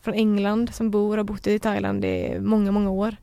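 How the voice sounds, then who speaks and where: A woman recounts a story at an easy conversational pace, her low-warm voice often slipping into a gravelly fry. She acts out what others said as she goes. The sound is dry and close. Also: dry recording. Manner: lively retelling, acts out quoted voices. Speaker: podcast guest. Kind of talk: casual storytelling.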